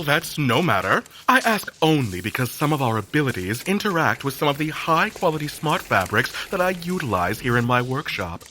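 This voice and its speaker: An actor playing a flamboyant, theatrical mutant fashion designer with effusive, genteel phrasing in an audio drama. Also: male voice, mid-range voice, pushed and bright, slight background noise, heavily acted, low-quality recording. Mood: effusive, showy.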